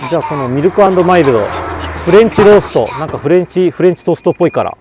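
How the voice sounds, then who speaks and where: A man's voice: fairly high pitch, animated, very fast, background noise. A man live-streaming from a roadside on a bike trip, chatting casually and reacting to viewer comments. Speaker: cycling livestreamer. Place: roadside vending machine outdoors on a mountain road. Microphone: action camera and webcam.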